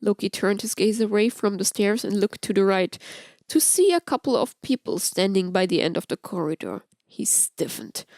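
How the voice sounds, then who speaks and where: A woman's voice: medium pitch, expressive, moderate pace, a little mellow, dry recording, studio quality. A woman reading scripted fan fiction aloud as an audiobook narrator.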